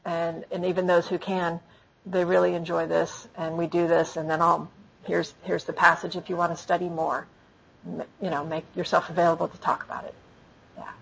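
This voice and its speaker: Husky-voiced woman telling stories conversationally. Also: on the low side, moderate pace, rough recording. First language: English. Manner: animated, frequent restarts. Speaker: speaker training storytellers. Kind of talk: conversational talk with audience questions.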